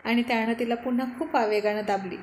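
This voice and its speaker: Brief: female narrator, fairly high voice, steady story reading, faint hiss. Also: quick pace, low-quality recording. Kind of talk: narrating a serialized romance story.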